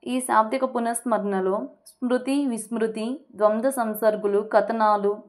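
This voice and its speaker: A woman's voice: fairly high pitch, steady tone, measured pace. A woman tutoring for exams, going over revision points and repeating each one like a drill. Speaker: exam prep tutor. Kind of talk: exam revision lesson.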